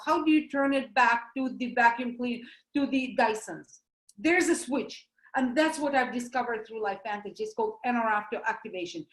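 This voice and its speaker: Woman, russian accent, fairly high voice, emphatic presenter, echoey room. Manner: animated, emphatic, explains with everyday comparisons. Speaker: doctor giving a presentation. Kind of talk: promotional health talk.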